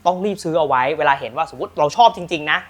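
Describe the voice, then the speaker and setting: A man hosting a football news channel rattles off the latest transfer stories in a rapid-fire, lively, emphatic style, using frequent polite particles. He then moves into a pitch for rare team shirts.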